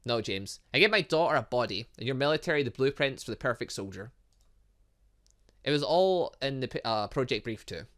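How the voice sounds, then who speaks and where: A man voicing a scientist father from a visual novel, explaining things in a measured, lecturing way. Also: mid-range voice, expressive, fairly bright tone, natural voice. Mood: defensive. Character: scientist father of a robot girl, explaining patiently. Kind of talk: reading visual novel dialogue aloud.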